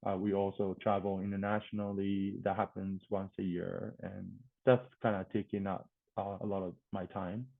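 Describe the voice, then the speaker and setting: A man's voice: low voice, flat delivery, normal speed, vocal fry, no room sound. Japanese-accented man on a phone-like line. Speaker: interview guest. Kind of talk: casual interview answers. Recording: thin phone-like call audio.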